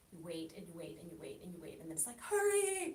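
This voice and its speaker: A woman speaks in an animated tone at a fairly quick pace, with audible room echo. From Chile. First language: Spanish. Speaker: actress and comedian. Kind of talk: interview. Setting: live video interview.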